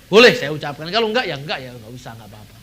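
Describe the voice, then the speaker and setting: A middle-aged man from Indonesia giving an animated seminar talk, acting out dialogues and chuckling now and then. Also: on the high side, very fast. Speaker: seminar speaker.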